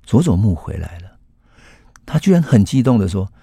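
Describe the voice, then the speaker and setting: A man, hosting a historical storytelling podcast in an unhurried, reflective way. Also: fairly low pitch, sing-song, vocal fry, dark tone, husky, dry recording, studio quality. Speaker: host and storyteller.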